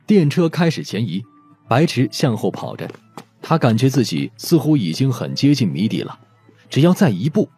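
Animated male audiobook narrator. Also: mid-range voice, moderate pace, breathy edge. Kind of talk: expressive scripted story narration. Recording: music behind the voice.

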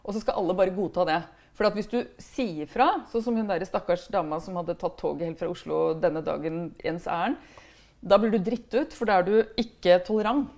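A woman's voice: on the low side, darkish tone. A middle-aged woman, an author guest in a casual interview, who talks frankly and often ends her remarks with a tag question.

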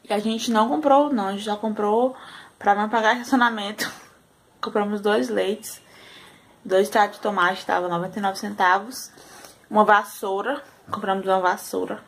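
A tired young Brazilian mother chats into her camera at home in a loose, unscripted vlog style, sighing often between thoughts. Her voice sits at an ordinary pitch, with a faint hum of household noise behind her. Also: steady tone, moderate pace, vocal fry, poor audio. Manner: chatty, sighing, with frequent "ai" and "né". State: tired after a sleepless night. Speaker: vlogger and mother.

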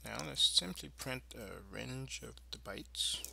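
A man presenting an informal screencast tutorial, explaining in a halting, improvised way. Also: mid-range voice, lively intonation, gravelly, bright, forceful tone, slight background noise.

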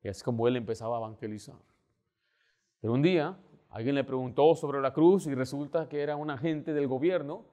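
A middle-aged man preaching a sermon as pastor, animated, acting out little scenes as he talks. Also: medium pitch, fairly quick. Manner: animated, acts out door-knocking scenes.

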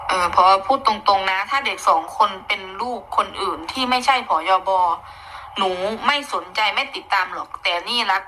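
A woman's voice: medium pitch, animated, moderate pace, sharp tone, slight background noise, poor audio. A woman with a Northeastern Thai Isan accent giving chatty, opinionated gossip commentary, often exclaiming. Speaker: online commentator.

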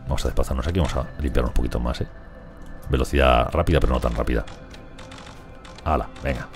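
A man's voice: extremely low pitch, fast talker, faint music behind. A man with a Spain Spanish accent giving rambling, chatty gameplay commentary and talking to his characters. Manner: rambling, chatty, talks to colonists. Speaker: gaming streamer. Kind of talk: casual let's play commentary.

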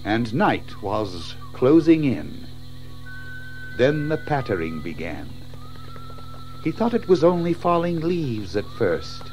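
Male narrator, mid-range voice, highly animated intonation, dramatic storytelling, music behind. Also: slow, long pauses, rough recording. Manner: theatrical, suspenseful.

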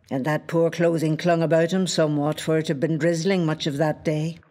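An actress with a Northern Irish accent playing an ancient, watchful lake spirit in a literary audio drama, speaking in measured, hushed poetry. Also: female voice, low voice. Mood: intent, watchful. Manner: measured, hushed, poetic storytelling. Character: ancient female spirit of a wild mountain lake, watchful, possessive.

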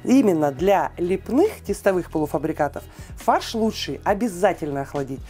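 A woman giving a calm, precise step-by-step cooking voice-over, listing weights and steps, with soft music behind her. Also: on the low side, moderate pace. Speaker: cooking channel host.

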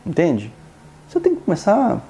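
A man's voice: high-pitched, huge pitch swings, moderate pace, dark tone, a little hiss or hum. A Brazilian Portuguese-speaking man hosting his own channel, giving an earnest self-help talk aimed straight at the listener. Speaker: channel host.

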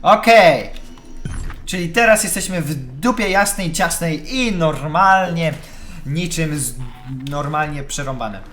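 Male let's-play host, lively swooping intonation, slightly high voice, chatty horror-game commentary. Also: measured pace, soft background music. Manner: excitable, chatty, shouts when scared. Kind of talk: live gameplay commentary.

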